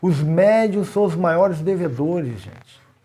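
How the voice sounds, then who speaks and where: A man's high-pitched voice with lively intonation. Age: 60s. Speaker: spiritist medium and program presenter. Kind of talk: devotional reflection monologue. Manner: informal, conversational.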